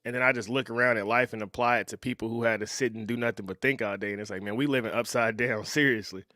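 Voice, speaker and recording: Relaxed man reacting, dry sound. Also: medium pitch, fast, no room sound. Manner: relaxed, conversational, agreeing, chuckles often. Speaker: reaction video host. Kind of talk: casual reaction commentary.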